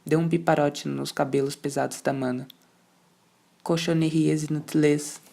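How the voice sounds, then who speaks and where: Gravelly teen reader stumbling through a story. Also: mid-range voice, steady tone, fairly quick, dark tone. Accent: Brazilian Portuguese. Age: teens. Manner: reads steadily, stumbling and restarting words. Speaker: student reader. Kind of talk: amateur audiobook narration.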